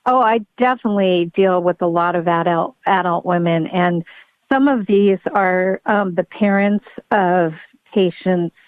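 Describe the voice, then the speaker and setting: A woman's voice: lowish voice, a little slow, no room sound. A woman pediatric neurologist speaking as a podcast guest, explaining her work earnestly and upbeat. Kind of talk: podcast interview. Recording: dry tinny phone-like line.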